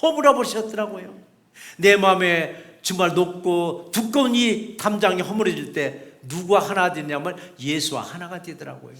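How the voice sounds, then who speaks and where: A man's voice: high voice, normal speed, few pauses, fairly bright tone. A middle-aged male pastor preaching a sermon, emphatic and repetitive, acting out short quoted voices.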